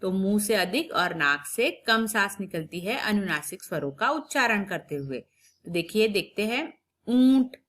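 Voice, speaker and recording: A woman teacher giving a recorded phonics lesson to young children. She repeats every word and sound slowly and clearly, and stops to ask the children questions. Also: medium pitch, animated, a bit bright. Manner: patient, questions the children directly. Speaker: primary school teacher.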